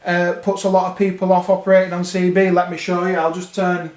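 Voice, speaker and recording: A man's voice: high voice, completely flat delivery, fairly quick, darkish tone. A British man talking casually to viewers, explaining things as a radio hobby vlogger. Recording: roomy, echoing indoor sound.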